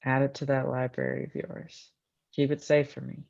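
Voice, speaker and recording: Eager young male suitor, man acting, creaky voice, affectionate, dull dry recording, drama read. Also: mid-range voice, completely flat delivery, moderate pace, a little mellow, no echo, lightly acted. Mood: earnest, affectionate. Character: eager, tender young suitor from Illinois, a railroad laborer. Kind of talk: screenplay table read acting.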